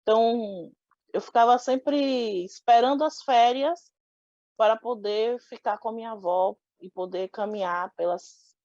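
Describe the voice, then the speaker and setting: A woman's voice: on the high side, unhurried, mellow, dry recording, muffled recording. A young woman from Salvador, giving an oral history interview and speaking thoughtfully with frequent restarts. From Salvador, Bahia, Brazil. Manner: thoughtful, many restarts and filler "né".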